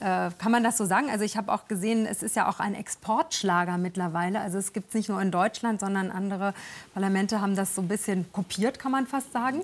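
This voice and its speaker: With ordinary pitch variation, this is an ordinary speaking voice. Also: woman. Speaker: moderator. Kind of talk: panel discussion. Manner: formal.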